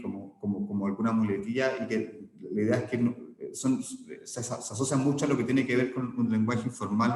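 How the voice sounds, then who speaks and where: A man gives an online lecture, explaining patiently and checking in with the listeners. His mid-range voice rings in a bare, echoey room with a long reverb tail. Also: medium pitch. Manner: explanatory, frequent "¿ya?" check-ins and restarts. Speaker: teacher.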